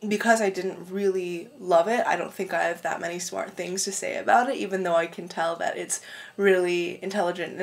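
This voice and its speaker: A woman's voice: on the low side, creaky. A woman with a clogged-up throat, chatting casually at home about books she read, rambling, laughing and swearing freely. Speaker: book vlogger. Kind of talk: casual book review chat. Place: home room with window open.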